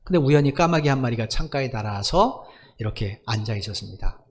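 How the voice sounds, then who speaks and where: A male pastor delivers a Sunday sermon at a medium pitch. He stresses key points with emphasis and keeps turning to the congregation with rhetorical questions. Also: lively intonation, brisk.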